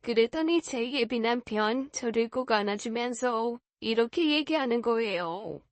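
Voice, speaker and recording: A woman's voice: a little high, expressive, a little slow, no room sound. A woman narrating a first-person story in a confiding, exclaiming way.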